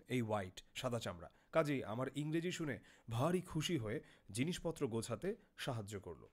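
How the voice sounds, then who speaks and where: A young man teaching a literary text, reading a passage aloud and then explaining each word with questions. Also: mid-range voice.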